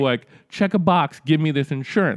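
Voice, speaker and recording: Lively intonation in a very clean recording with a silent background. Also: man. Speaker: podcast co-host. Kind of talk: casual political chat podcast.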